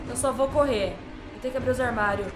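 Scared, high-pitched Brazilian woman streamer. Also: fast talker, roomy sound, music in the background. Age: young adult. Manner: scared, exclaiming, repeating herself in panic. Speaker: video game streamer. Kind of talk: horror game commentary. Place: small home room, indoors.

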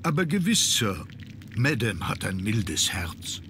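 An actor playing a dutiful, deferential manor butler in a video game, formal and measured in his phrasing. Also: lowish voice, big pitch swings, fairly bright tone, a little hiss or hum, full character voice. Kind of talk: scripted video game acting.

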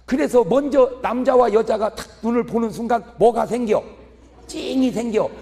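A male pastor giving a humorous revival sermon in a large church hall, animated and chuckling through his lines. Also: very high voice, moderate pace.

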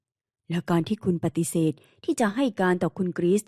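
A woman voicing an earnest young male lawyer who asks gentle, careful questions in a measured way. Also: lowish voice, expressive, slightly rough, no echo, clean studio sound. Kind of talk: audiobook character voice.

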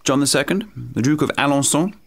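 An actor playing a suave, well-connected royal courtier in an audio drama, smooth-talking, deferential and dryly amused. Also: male voice, mid-range voice, brisk. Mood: wry.

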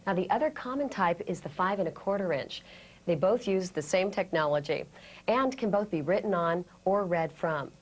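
American woman, 30s, instructional video presenter, lower register, slightly husky, methodical delivery. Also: lively intonation, moderate pace. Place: indoor studio set.

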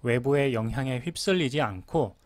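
A man narrating a finance channel in a brisk, explanatory scripted voice-over. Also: mid-range voice, expressive, no echo, clean studio sound.

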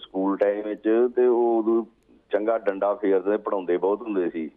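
A man calling in to a show, telling a school memory in a relaxed, hesitant way. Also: fairly low pitch, moderate pace. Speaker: caller. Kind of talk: phone-in chat. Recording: tinny phone line.

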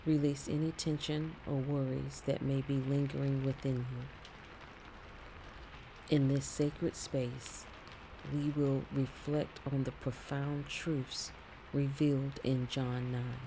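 A man narrating a guided Christian sleep meditation in a soothing, gentle way with deliberate phrasing, as a meditation guide. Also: medium pitch, little pitch movement, noisy background.

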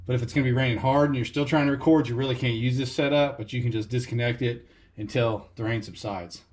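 A man, casually explaining a camera setup in a relaxed, conversational way with frequent fillers, recorded on a camera mic in a home garage. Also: medium pitch, slight background noise. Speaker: fishing channel host. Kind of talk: casual how-to vlog. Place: home garage workshop, indoors.

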